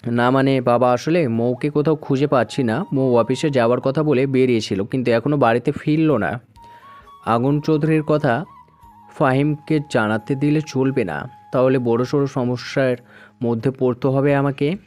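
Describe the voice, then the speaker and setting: A man's voice: medium pitch, fairly even intonation, moderate pace, a little mellow, faint music behind, natural voice. A man voicing a worried, evasive father. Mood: anxious. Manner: hesitant, placating.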